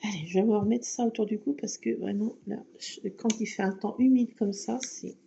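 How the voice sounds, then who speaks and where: A woman's voice: mid-range voice, fairly even intonation, moderate pace, gravelly, mellow, slight background noise. A woman chatting casually while crafting, self-mocking and laughing often. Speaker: craft vlogger. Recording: dull lo-fi recording.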